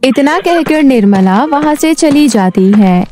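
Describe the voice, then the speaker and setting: Slow, high-voiced woman storyteller. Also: lively intonation, mellow, faint music behind. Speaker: story narrator. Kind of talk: scripted narration of an animated moral story.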